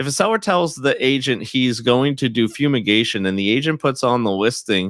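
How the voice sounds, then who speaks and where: A man with a normal speaking voice, fairly quick pace and lively intonation. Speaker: real estate exam tutor, youtuber. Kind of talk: live stream Q&A. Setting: live video stream. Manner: conversational, many fillers.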